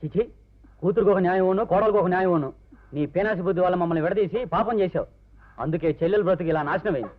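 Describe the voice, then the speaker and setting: Son telling off his dad, fast, tinny old movie sound. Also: high-pitched. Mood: reproachful. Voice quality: reproachful, firm. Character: upright young man defying his father. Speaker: grown son. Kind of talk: 1990s film drama.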